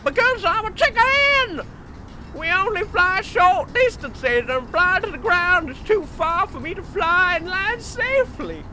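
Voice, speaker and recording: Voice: very high-pitched, big pitch swings, unhurried, exaggerated voice. An actor voicing a sassy female talking chicken in an audio drama, with a blunt, snippy manner. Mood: frank. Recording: faint background noise.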